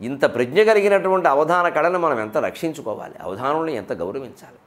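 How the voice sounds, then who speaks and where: A man's voice: a little high, animated, fast talker. A man giving an emphatic public lecture on literature and culture, firing rhetorical questions and mimicking others as he goes.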